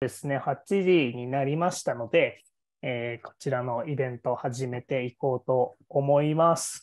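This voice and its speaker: In a quiet setting, a man speaks fairly slowly at a medium pitch with ordinary pitch variation. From Sendai, Japan; Japan. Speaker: event moderator, nonprofit representative; event moderator. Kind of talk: online event moderation. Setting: online video event. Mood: friendly, smiling. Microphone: earbuds.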